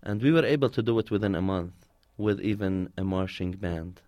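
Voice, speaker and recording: Low-voiced man, close dry sound. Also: moderate pace, darkish tone, no echo. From Palestine. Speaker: interviewee, community organizer. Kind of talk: conversational interview answers, telling personal stories.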